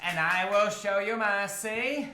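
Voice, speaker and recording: A man game master voicing a boastful male kobold chief, with a booming, magically amplified voice and a commanding, pompous delivery. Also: takes it slowly, over a noisy crowd. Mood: menacing. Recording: echoey room, off-mic, music behind.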